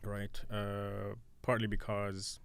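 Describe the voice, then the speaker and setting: A young man who was raised in the United Arab Emirates tells stories in a casual, halting chat, repeating words as he thinks. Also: fairly low pitch, completely flat delivery, vocal fry, fairly bright tone, clean tone.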